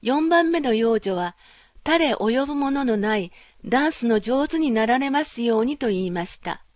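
A woman narrating a fairy tale in a gentle, measured reading style. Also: on the high side, no room sound, clean studio sound. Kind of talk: storybook narration.

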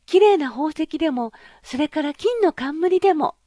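A woman voicing a pampered, petulant young princess in a storybook reading, high and girlish. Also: animated, normal speed, dark tone, dry recording, studio quality. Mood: eager. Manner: high girlish pleading, haughty. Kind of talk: audiobook character voice.

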